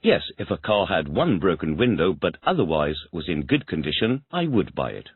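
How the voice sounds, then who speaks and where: Man, English student, full-sentence answers, lively intonation, dry close sound. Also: deep voice, normal speed, slightly rough, dry recording. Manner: repeats each question back in complete sentences. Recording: tinny phone-like dry audio.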